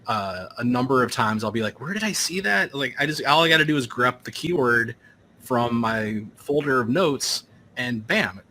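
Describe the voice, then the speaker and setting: A man interviewing a speaker in casual conversation, halting with frequent restarts. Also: medium pitch, bright, forceful tone, a little hiss or hum.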